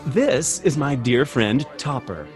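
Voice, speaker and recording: An actor playing a hospitable younger nephew hosting a party, effusive and welcoming, in a theatrical radio play. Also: male voice, medium pitch, expressive, slow, soft background music. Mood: delighted welcome.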